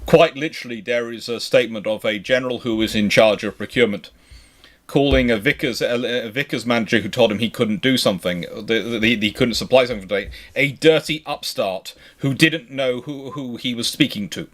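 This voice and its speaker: A man's voice: mid-range voice, brisk, a bit bright. A man hosting an unscripted history discussion, talking discursively and emphatically and often correcting himself. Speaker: naval history show host.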